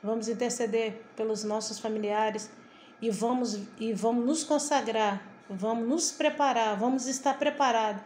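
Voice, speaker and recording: A woman's voice: on the high side, fairly even intonation, normal speed, a little mellow, a little hiss or hum. A middle-aged woman from Brazil preaching a devotional sermon in a fervent, emphatic way, often repeating her phrases. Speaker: evangelical preacher.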